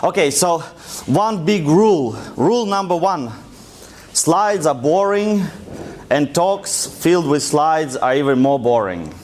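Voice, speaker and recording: A young Russian man with a thick accent gives a live conference presentation to an audience in a lecture room, joking and telling his story loosely and casually. His voice is fairly high, expressive and darkish, at a measured pace.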